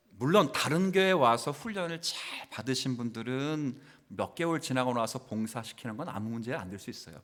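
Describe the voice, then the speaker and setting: Animated male pastor preaching a sermon. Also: fairly high pitch. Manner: swings from loud exclamations to near-whispers, asks the congregation questions. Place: church sanctuary.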